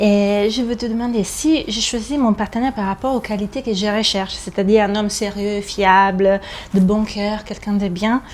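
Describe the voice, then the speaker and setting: A woman with a slight Italian accent speaks at a moderate pace. Her intonation stays fairly even over noticeable background noise. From Italy. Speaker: coaching client. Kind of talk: personal questions in coaching chat. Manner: hesitant, many fillers.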